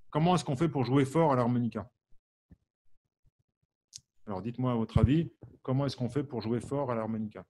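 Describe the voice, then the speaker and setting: A man's voice: mid-range voice, a little mellow. A man from France's Champagne region teaches a live online harmonica class. He talks in a loose, chatty way, poses questions to his viewers and answers them by name. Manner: asks the audience questions, many fillers. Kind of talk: live online music lesson.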